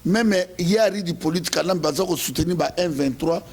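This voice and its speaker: A raspy-voiced Congolese man delivering an impassioned political speech. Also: fairly high pitch, a little fast, a little mellow. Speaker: political commentator.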